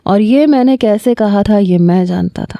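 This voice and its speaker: A woman narrates a dramatic audio story at a steady, unhurried pace. Her voice is deep-toned and mellow, never bright. The recording is dry and close, with no room sound. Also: creaky, dry recording.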